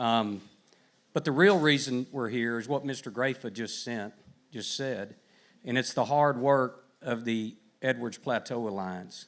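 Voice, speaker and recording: In a rural Texas accent, a man talks at a fairly slow pace and medium pitch with ordinary pitch variation, on a very clean recording with a silent background. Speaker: town hall presenter. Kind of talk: public presentation. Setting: fire department hall meeting with audience. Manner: repetitive, halting starts; folksy, conversational.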